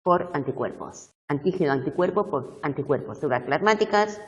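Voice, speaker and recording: A woman university tutor going over exam questions slowly, checking whether her students follow. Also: low voice, animated, distant mic, dull audio.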